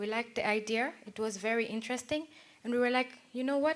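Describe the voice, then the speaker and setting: Speaking at a fairly quick pace, a woman with an East African accent uses a high pitch and ordinary pitch variation. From Tanzania (Zanzibar). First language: Swahili. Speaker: doctor, pathology resident. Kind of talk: conference panel testimony. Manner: animated.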